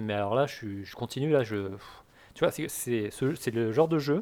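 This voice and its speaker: A man with lively intonation. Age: 30s. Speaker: video game podcast host. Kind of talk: casual chat.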